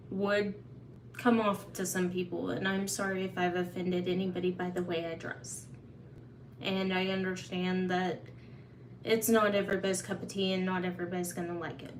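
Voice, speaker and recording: A woman's voice: mid-range voice, little pitch movement, normal speed, a little mellow, a little hiss or hum. A woman from Oklahoma hosting a casual live Q&A, chatty and open as she answers viewers' questions. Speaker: livestream host. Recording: echoey room, faint ambience.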